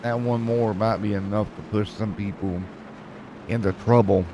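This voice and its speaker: Joking race commentator, deep voice. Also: male voice, fairly even intonation, normal speed, noisy background. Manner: joking, rambling play-by-play with fillers.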